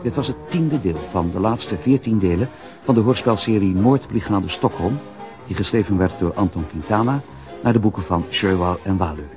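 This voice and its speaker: A male announcer reading the closing credits of a radio drama in a measured, formal way. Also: lowish voice, over music.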